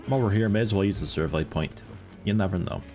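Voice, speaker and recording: A man's voice: on the low side, fast, a little mellow, soft background music. A man in his thirties giving rambling, casual commentary while livestreaming a game, swearing now and then. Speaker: gaming livestreamer.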